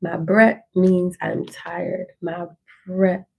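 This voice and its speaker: A woman teaching a language lesson, reading through an ebook page by page and slowly repeating phrases to encourage learners. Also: lowish voice, little pitch movement, gravelly, husky.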